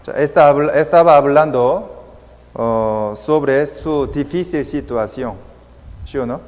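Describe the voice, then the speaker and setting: Slow-talking man teaching in a reverberant hall. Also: on the high side, a little mellow. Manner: slow, repetitive, checks listeners with questions. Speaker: Bible teacher. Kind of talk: Bible study lesson.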